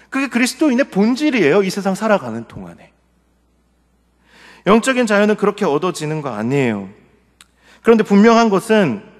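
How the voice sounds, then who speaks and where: A man in his forties, a pastor preaching an impassioned sermon that swings between loud pleas and hushed murmurs. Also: sits high. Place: church sanctuary. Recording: long hall reverb.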